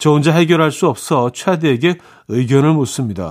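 A normal speaking voice, moderately paced and with ordinary pitch variation, on a very clean recording against a silent background. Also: man. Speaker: radio host. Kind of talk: radio show with listener messages and interview. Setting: studio. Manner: calm, relaxed.

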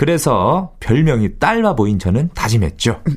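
A man's somewhat breathy voice swings very widely in pitch. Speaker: singer. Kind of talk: reading listener letters and casual chat. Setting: studio.

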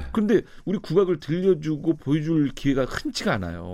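This man has a dark, mellow tone and speaks at a moderate pace. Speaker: Korean traditional singer. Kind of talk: radio interview. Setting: radio studio.

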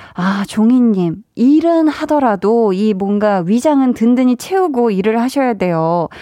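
Music plays behind a woman whose voice has a warm tone and a fairly high pitch, with very wide pitch swings and very even loudness. She speaks at a fairly slow pace with hardly any pauses. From Seoul. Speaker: radio DJ. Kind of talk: evening radio show, reading listener messages. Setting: radio studio, visible radio. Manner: warm, chatty, frequent laughter.

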